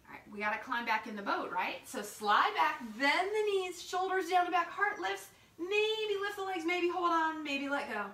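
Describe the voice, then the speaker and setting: A woman's voice: very high voice, moderate pace, hardly any pauses, pushed and bright. A woman leading a yoga class with playful, informal, encouraging step-by-step cues, recorded from across a living room. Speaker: yoga instructor. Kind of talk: guided yoga class instruction. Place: living room at home, indoors. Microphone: far camera across the room. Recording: roomy home sound, distant camera mic.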